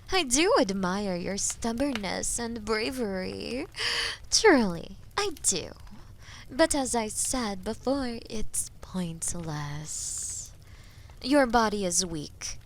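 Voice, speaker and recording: Haughty she-dragon, voiced by a woman, fantasy audio drama: drawn-out taunting delivery, breathy whispers, mid pitch, faint background noise. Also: exaggerated voice, low-quality recording. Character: haughty, menacing female dragon toying with captive knight. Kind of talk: slow, theatrical roleplay monologue in medieval fantasy audio drama.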